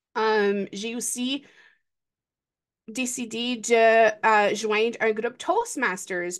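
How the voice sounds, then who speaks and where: In an Ontario accent, a woman talks at a fairly high pitch against a quiet background. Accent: Franco-Ontarian. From Franco-Ontario, Sudbury. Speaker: early childhood content creator. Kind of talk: webinar presentation. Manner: hesitant, many fillers.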